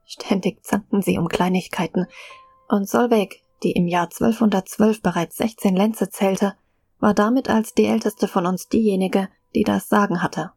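A woman's voice: medium pitch, steady tone, moderate pace, vocal fry, a little mellow, husky, no room sound. An actress playing a medieval peasant girl, the youngest sister, narrating her past matter-of-factly in a radio play. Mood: reflective recounting. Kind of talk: scripted first-person narration in a German radio play. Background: faint music.

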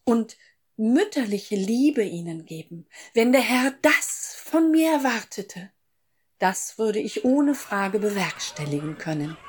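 Radio play narrator role: dutiful, devout motherly woman, mid-range, slow and reflective. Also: medium pitch, sing-song, breathy edge, heavily acted. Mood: reflective, tender. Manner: reflective, measured. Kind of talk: first-person radio play monologue.

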